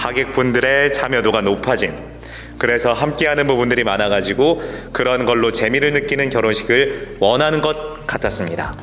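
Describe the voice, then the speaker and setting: Against noticeable background noise, a man speaks at a moderate pace and medium pitch with ordinary pitch variation and very even loudness. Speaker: professional wedding MC. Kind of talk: casual talk to camera, explanatory monologue.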